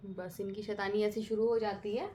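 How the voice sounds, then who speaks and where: A woman's voice: medium pitch, steady tone, moderate pace, warm tone, a little hiss or hum. A woman in her thirties talking casually in a family vlog, chatty and rambling with many fillers. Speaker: vlogger.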